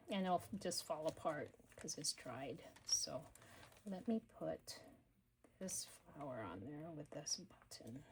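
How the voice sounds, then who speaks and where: A woman hosting a craft video, talking quietly and murmuring to herself as she works, a little sniffly. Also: on the low side, a little hiss or hum, low-quality recording. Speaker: craft channel host. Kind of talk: casual craft-along chat.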